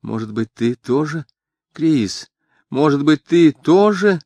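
An audiobook figure: a confused young woman pushed to despair, pleading and crying out, as a male reader puts her on. The voice sits higher than the reader's own low tone. The recording is close and dry. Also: expressive, slow, warm tone, no room sound, heavily acted. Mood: hopeful. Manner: pleading, breaking into cries.

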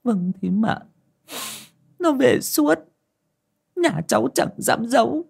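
A grieving mother begs her elder for help in a spoken ghost story, voiced by a woman storyteller. Her voice rises high and unsteady, with a husky tone. She sounds frightened and deferential. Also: expressive, takes it slowly, a little mellow, exaggerated voice. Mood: tearful pleading. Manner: trembling, pleading, deferential. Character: grieving middle-aged mother, pleading and tearful.

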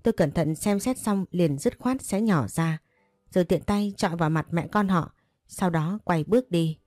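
Low, mellow woman narrating a story. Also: normal speed, no echo, studio quality. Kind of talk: scripted first-person story narration. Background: faint music.

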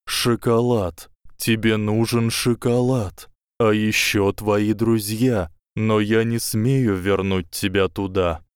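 A man's voice: on the low side, fairly even intonation, takes it slowly, clear, resonant tone, no echo, studio quality. A man voicing an old male wizard headmaster pleading in a breaking voice. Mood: pleading, anxious. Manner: pleading, broken voice.

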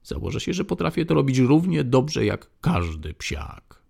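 A man reading an audiobook, voicing a quiet male prison inmate who jokes in a wry way. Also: medium pitch, very animated, normal speed, creaky, pitched above the performer's own voice, exaggerated voice. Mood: joking. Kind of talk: audiobook character voice.

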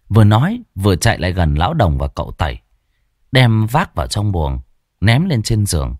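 A man narrating a ghost story in a dramatic, expressive way. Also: lowish voice, brisk, dry recording, studio quality.

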